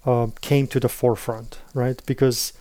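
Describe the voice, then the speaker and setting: A man's voice: medium pitch, level tone, moderate pace, dark tone, no echo. A man in his thirties, a native Slovenian speaker, answering interview questions thoughtfully, often checking in with "right?" and hedging as he goes. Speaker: interview guest.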